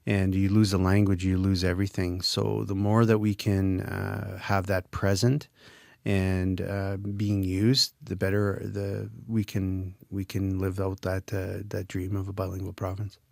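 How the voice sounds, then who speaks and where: Deep monotone guy from manitoba, earnest and halting, lots of uhs, dry close sound. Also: gravelly, no echo. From Manitoba, Canada. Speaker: guest, former French immersion teacher. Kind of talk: radio interview answers.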